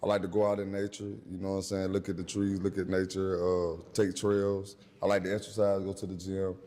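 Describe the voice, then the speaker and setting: A man's voice: low-pitched, little pitch movement, a little fast, warm tone. A man in his thirties from rural Georgia with a Southern African American English accent, chatting casually in a laid-back country way. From rural Georgia, USA. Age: 30s. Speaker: dating show contestant. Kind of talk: casual unscripted chat. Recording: echoey, noisy event hall.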